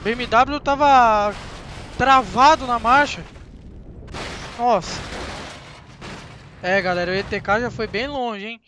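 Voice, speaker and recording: Brazilian guy, really high pitched, hyped up talking to his viewers over a car game, light game noise. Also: slow, long pauses. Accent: Brazilian Portuguese. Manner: chatty, excitable, talks straight to viewers. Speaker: gaming channel host. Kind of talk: casual gameplay commentary.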